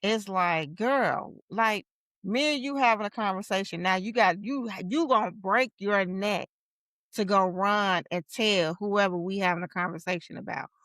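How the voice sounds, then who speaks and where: A woman's voice: mid-range voice, normal speed, fairly bright tone, dry recording. A woman in her late forties co-hosting a casual chat show, talking bluntly and animatedly, acting out the people she quotes. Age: 40s. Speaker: podcast co-host.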